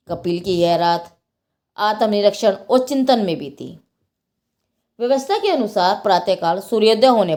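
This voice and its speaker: A woman narrating a scripted moral religious tale in an expressive, dramatic storytelling manner. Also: mid-range voice.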